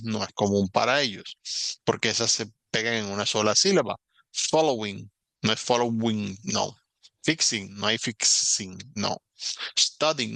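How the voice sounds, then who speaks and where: A man's voice: lowish voice, creaky, bright, forceful tone, no room sound. A man teaching English grammar in a recorded lesson, explaining patiently, repeating example words and checking in with his students.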